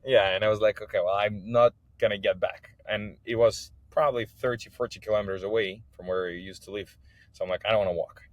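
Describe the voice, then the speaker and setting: A man's voice: lowish voice, fairly even intonation, fast talker, no echo, lo-fi sound. A man from Kazakhstan, an English speaker telling his personal story as a podcast guest. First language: not English. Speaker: podcast guest, business owner.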